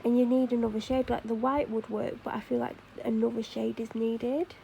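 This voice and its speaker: A woman's voice: a little high, level tone, a little fast, gravelly, mellow, slight background noise, low-quality recording. A woman with a Mancunian accent chatting casually to camera while doing her makeup, rambling with fillers and self-corrections. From Manchester, England. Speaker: vlogger.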